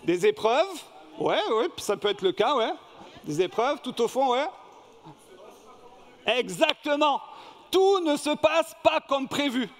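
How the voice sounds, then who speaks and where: A man leading a church service as pastor, running a lively film quiz and asking the congregation questions. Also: extremely high pitch, slow, pauses often. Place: church hall. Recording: long reverb in a church hall.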